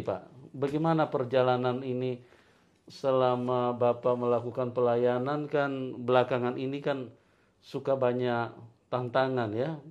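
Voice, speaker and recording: A man hosting a church interview, steering his guest with gentle prompts and short affirmations. The sound is dull and lo-fi, which takes the edge off his mid-pitched voice. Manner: encouraging, brief affirmations. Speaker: interview host.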